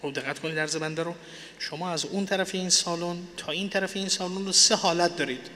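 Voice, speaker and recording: A man preaching a religious sermon to an audience, swinging between soft and loud and reciting poetry slowly. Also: high voice, steady tone, in a large hall, a little hiss or hum. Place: large lecture hall.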